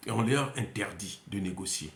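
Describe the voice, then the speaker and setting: A man with a Central African French accent talks in an emphatic, repetitive way, with frequent hesitations. His pitch rises and falls in a lively way, and the room around him adds a noticeable echo. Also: normal speed, gravelly, slight background noise. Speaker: commentator. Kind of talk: unscripted monologue. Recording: roomy echo.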